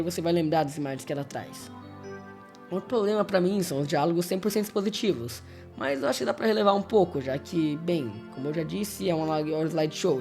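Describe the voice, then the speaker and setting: A man's voice: high voice, gravelly, darkish tone. A man with a Brazilian accent narrates a story recap as a video host, in a casual scripted style with informal, wry asides. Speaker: YouTube host narrating horror series recaps.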